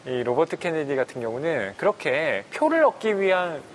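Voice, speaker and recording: A man's voice: a little high, sing-song, moderate pace, a little hiss or hum. A man commenting on a book on a talk show, explaining emphatically like a storyteller. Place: broadcast studio talk show. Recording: music behind the voice.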